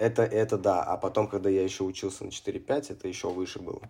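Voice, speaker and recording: At a moderate pace, a man speaks in a somewhat breathy, dark, mellow tone with ordinary pitch variation. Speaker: dance studio owner, grew up in an orphanage. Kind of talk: interview. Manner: casual, rambling.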